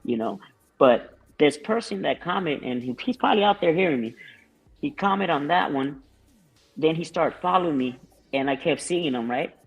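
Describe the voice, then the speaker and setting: A man's voice: on the high side, lively intonation, normal speed, slightly rough, lo-fi sound. A man guesting on an interview show, talking about his music in a rambling way, with many restarts and fillers. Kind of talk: casual interview chat.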